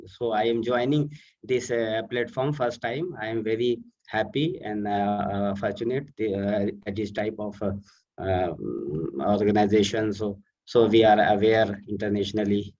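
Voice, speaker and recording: A young man with an Indian accent, a native Urdu speaker, talking haltingly and earnestly in an online session. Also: on the low side, steady tone, a little mellow. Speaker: student participant. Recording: distant, dull online call audio.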